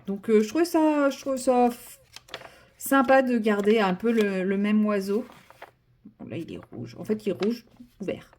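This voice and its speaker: A woman's voice: mid-range voice, lively intonation, normal speed, a little mellow, a little hiss or hum. A young woman chatting casually about her coloring project, rambling with many fillers and restarts and poking fun at herself. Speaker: coloring vlogger. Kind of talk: casual chat while coloring.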